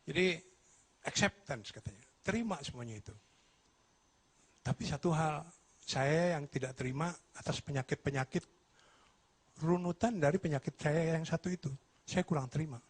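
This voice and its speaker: A stand-up comedian from Madura, delivering self-mocking jokes with deadpan punchlines. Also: male voice, on the high side, normal speed, long pauses, breathy edge. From Madura, Indonesia.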